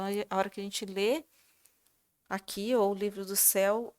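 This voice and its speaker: A woman chatting casually about her faith, laughing at herself and filling pauses with short tags. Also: medium pitch, smooth. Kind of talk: religious reflection, casual sharing.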